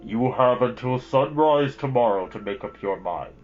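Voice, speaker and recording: A man voicing a cold armored giant messenger with a metallic voice, delivering a slow, formal proclamation. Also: medium pitch, expressive, dull audio, soft background music, close to an everyday voice.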